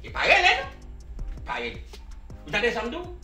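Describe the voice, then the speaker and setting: Un homme jouant un tonton haïtien grandiloquent. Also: male voice, very high-pitched, wildly swooping pitch, normal speed, full character voice. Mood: indignant. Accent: Haitian. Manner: ranting, repeats himself, loud exclamations. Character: bumbling older uncle, blustering and excitable. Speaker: comic lead. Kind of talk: comedy sketch acting. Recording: echoey room, distant mic, music behind.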